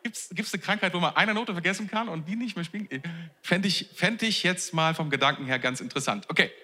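Bright-voiced pastor in echoing hall. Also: male voice, high voice, a little fast. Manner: chatty, joking, often repeats words. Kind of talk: sermon. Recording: long reverb of a large hall.

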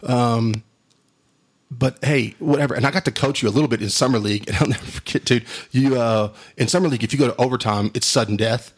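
A middle-aged man with a drawl and a booming, husky voice of medium pitch for a man tells stories fast in casual chat. He's animated, laughs a lot, and says "dude" in nearly every sentence.

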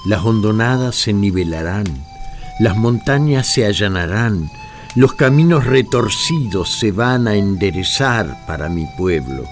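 A fervent prophet of the desert for a radio play. The voice is low and very varied in melody, delivered slowly and solemnly. Music plays underneath. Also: male voice. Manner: solemn, declamatory oratory. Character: fervent male desert prophet consoling his weary people. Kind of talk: Spanish-language radio drama acting.

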